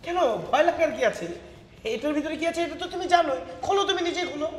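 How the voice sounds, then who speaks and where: A man's voice: very high-pitched, rapid-fire, slight background noise. A sarcastic, snappish young man. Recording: echoey room with music.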